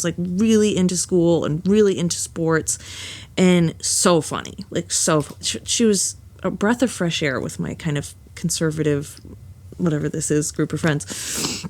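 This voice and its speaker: Laughing young woman telling a story. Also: fairly low pitch. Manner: animated and laughing often, with lots of fillers. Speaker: podcast guest. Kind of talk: candid personal storytelling.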